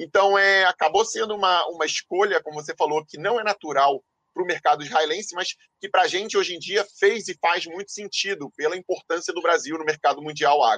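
With a Rio de Janeiro accent, a high-pitched man speaks at a fairly quick pace in a dry, close sound with no echo. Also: ordinary pitch variation. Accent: carioca (Rio). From Brazil, Rio de Janeiro. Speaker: agritech business executive. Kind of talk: interview.

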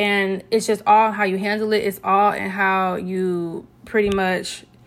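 Very slow speech in a monotone, flat intonation, on a very clean recording with a silent background. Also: woman. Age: 20s. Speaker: podcast host. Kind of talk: casual monologue. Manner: casual, filler-heavy.

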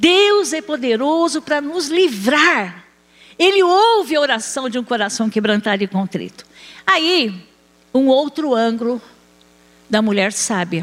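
The speaker moves at a fairly slow pace, leaving long, frequent pauses while the pitch swings very widely. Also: woman, high pitch for a woman. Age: 70s. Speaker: preacher. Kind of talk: sermon.

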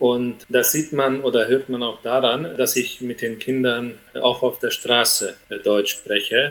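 At a very slow pace, a man speaks in a monotone, flat intonation at medium pitch. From Hungary, German-speaking village in southern Hungary. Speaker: teacher. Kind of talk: interview.

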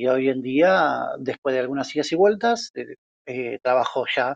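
With an Argentine accent, a man speaks at a fairly high pitch in a dry, close sound with no echo. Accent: Rioplatense Argentine Spanish. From Argentina, western Greater Buenos Aires. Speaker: audiovisual and radio producer. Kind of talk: casual interview chat.

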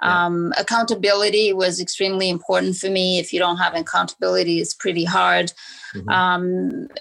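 A woman speaks at a fairly quick pace with a Romanian accent. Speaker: real estate agent. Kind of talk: casual interview.

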